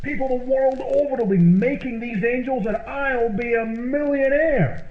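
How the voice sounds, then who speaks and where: A man playing a boastful, self-deluded amateur artist flatmate in an old-time radio comedy, declaiming pompously. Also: very high-pitched, unhurried. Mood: grandiose. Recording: tinny, roomy lo-fi radio sound with hiss.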